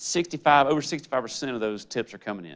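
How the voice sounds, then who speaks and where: Over a very clean recording with a silent background, a man speaks at a fairly quick pace with a medium pitch and ordinary pitch variation. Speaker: school district safety director, former police officer. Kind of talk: presentation at board meeting. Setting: board meeting room. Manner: fast.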